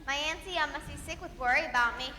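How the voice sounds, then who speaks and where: Woman as an earnest, bright little girl. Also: high voice, fast. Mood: pleading. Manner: polite, pleading. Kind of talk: children's stage play acting. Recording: echoey hall, faint noise.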